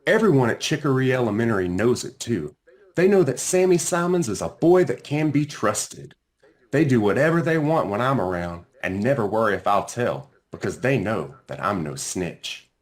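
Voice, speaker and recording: A man reading his own children's book aloud in an expressive storytelling style, with dramatic pauses and drawn-out phrases. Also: mid-range voice. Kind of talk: animated children's read-aloud narration.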